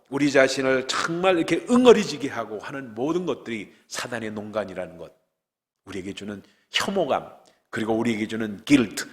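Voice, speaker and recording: A middle-aged man preaching a sermon as pastor, swinging from loud outbursts down to hushed whispers. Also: mid-range voice, big-room sound. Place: church sanctuary.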